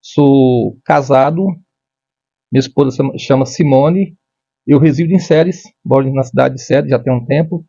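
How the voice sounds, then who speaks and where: With a medium-pitched, mellow voice carrying vocal fry and a breathy edge, this Brazilian man in his fifties, a retired military police major, talks formally and deliberately as an interview guest, often restarting. There's no echo, and the audio sounds dull.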